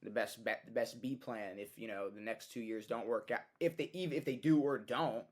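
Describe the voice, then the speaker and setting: A man's voice: mid-range voice, normal speed. Man co-hosting a casual sports podcast. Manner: hesitant, restarts and repeats, gets excited. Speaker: podcast co-host.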